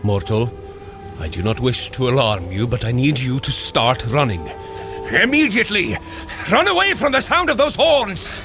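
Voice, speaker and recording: An actor playing a hearty, noble warrior god in an audio drama, speaking in a grand, earnest, declamatory way. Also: male voice, medium pitch, sing-song, normal speed, creaky, over music. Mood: urgent. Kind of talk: scripted audio drama acting.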